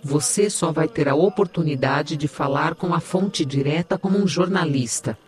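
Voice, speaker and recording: A man voices a digital AI assistant with a diva's vanity in an audio drama. The voice sits a little high, teasing and theatrical, while delivering information matter-of-factly. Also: moderate pace, lightly acted. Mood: dry, lecturing. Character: sassy, vain digital AI assistant, self-styled diva.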